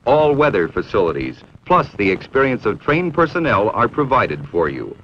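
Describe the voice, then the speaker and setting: An American man reading scripted 1960s training film narration in a formal, measured, authoritative manner. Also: medium pitch, sing-song, a little hiss or hum. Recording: dull, aged 1960s film soundtrack.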